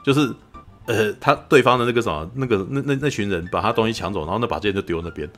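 Podcast host, male, lowish voice, rapid animated storytelling. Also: soft background music. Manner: animated storyteller, keeps asking "you know?". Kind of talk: casual film review chat.

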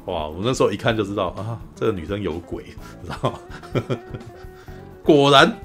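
A man's voice: fairly low pitch, lively intonation, moderate pace, a bit bright, faint music behind. Rambling man retelling a story. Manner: rambling, many fillers, acts out quoted lines in a raised voice. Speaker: podcast host. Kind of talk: casual chat, retelling a TV drama plot.

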